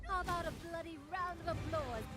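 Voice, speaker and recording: A theatrical heist rogue from a video game, a showy woman with a high, bright-edged voice. She delivers every line as if on stage. Loud game music plays under her. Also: fairly quick. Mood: taunting. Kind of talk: game voice lines.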